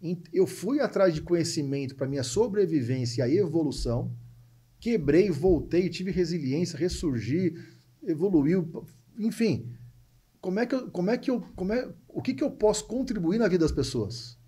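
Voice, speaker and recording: A man's voice: high-pitched, expressive, normal speed, warm tone, husky. A man in his forties with a São Paulo coast Brazilian accent, telling personal stories conversationally, repeating words for emphasis and often tagging phrases for agreement. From Santos, coastal São Paulo, Brazil. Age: 40s. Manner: emphatic repetitions and frequent tag questions seeking agreement. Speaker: podcast guest, entrepreneur and speaker.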